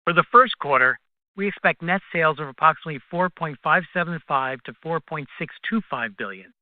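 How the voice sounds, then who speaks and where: Higher-voiced man on a tinny phone line. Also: lively intonation, no room sound. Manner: formal, measured reading of prepared remarks. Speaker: company finance executive. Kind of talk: scripted earnings call presentation. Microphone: conference call line.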